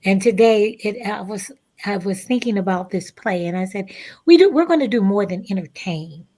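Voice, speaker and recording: A woman's voice: medium pitch, lively intonation, mellow. A woman speaking as an interview guest, earnest and emphatic, repeating phrases for weight. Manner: earnest, emphatic, deliberate repetition. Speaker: stage actress, guest. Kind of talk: conversational interview.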